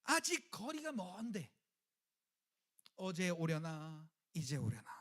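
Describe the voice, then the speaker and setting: A male pastor delivers a sermon in a high, lively voice that leaps up and down. He talks in an everyday way, acts out the quoted lines with swings in loudness, and jokes with his congregation. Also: slow.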